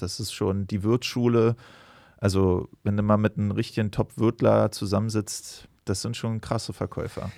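A man's dark, mellow voice, fairly low in pitch, with monotone, flat intonation at a moderate pace in a very clean recording with a silent background. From Brandenburg, Germany. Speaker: mortgage broker. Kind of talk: casual chat. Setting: studio.

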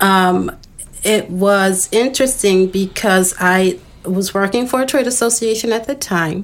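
A woman with an American accent, a plain, everyday voice, at a fairly slow pace with ordinary pitch variation, on a very clean recording with a silent background. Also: medium pitch for a woman. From US South, Savannah, Georgia. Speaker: marketing firm CEO. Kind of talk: casual interview.

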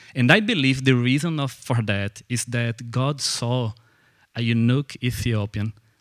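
In a Brazilian accent, a man speaks at a medium pitch with fairly even intonation, the sound dry and close with no echo on a very clean recording with a silent background. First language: Portuguese. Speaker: pastor. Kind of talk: testimony. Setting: stage with audience.

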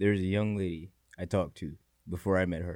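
The speaker is a man. He has an American accent. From Connecticut, New Haven. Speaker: host's boyfriend, guest. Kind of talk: casual chat.

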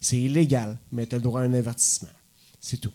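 A man speaks with a dark, mellow tone. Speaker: former mixed martial arts fighter. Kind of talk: casual chat. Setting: stage with audience.

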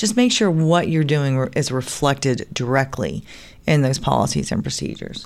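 With a slight Southern US accent, a woman speaks at a moderate pace in a very deep, low voice. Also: ordinary pitch variation. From Georgia, Atlanta. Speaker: MRI safety consultant. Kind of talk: casual interview.

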